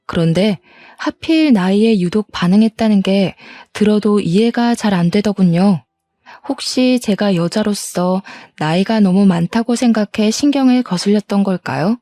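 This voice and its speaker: A woman's voice: mid-range voice, expressive, moderate pace, warm tone, dry recording. A woman in her thirties reading a first-person story aloud in an aggrieved, complaining tone. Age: 30s.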